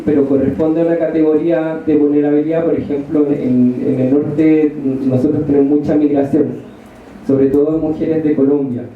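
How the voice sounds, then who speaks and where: A man's voice: fairly high pitch, a little hiss or hum. Hesitant Chilean man in an echoey hall. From northern Chile. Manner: hesitant, many fillers and restarts. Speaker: audience member commenting. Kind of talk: unscripted comment at a panel Q&A. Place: large lecture hall. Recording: distant, echoey hall, thin phone-like sound.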